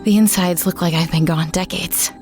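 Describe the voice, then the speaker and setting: Actress as weary, regretful female ex-reporter narrating horror audio drama; lower register, reflective and somber, music underneath. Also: steady tone, moderate pace, darkish tone, close to an everyday voice. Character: weary, regretful woman, small-town former journalist. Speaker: narrator and protagonist.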